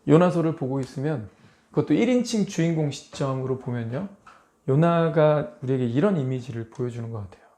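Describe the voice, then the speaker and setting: Animated Korean-speaking male preacher. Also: on the high side, fairly quick. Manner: animated storytelling, acting out quoted voices. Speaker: pastor. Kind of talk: sermon.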